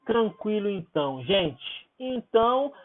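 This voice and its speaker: A male teacher walks his pupils through a worksheet, relaxed and chatty, often pausing to check they are following. His voice moves up and down a great deal as he talks. The sound is thin and narrow, like a phone line. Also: high voice. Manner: informal, checks in with "né?" and "tá?". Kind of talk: recorded homework walkthrough for pupils. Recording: tinny phone-like audio.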